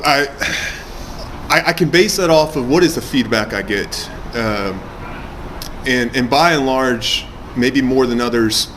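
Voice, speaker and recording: A man giving casual interview answers in a hesitant, halting, self-effacing way. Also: medium pitch, noisy background. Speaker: pipe channel creator being interviewed.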